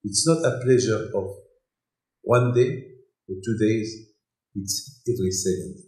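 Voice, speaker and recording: An older man from Morocco, giving an animated Torah lecture in English, repeating his phrases. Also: lowish voice, unhurried. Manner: animated, gesturing broadly, repeats phrases, non-native English. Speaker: rabbi. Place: synagogue hall, indoors. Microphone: desk mic on stand. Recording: echoey hall.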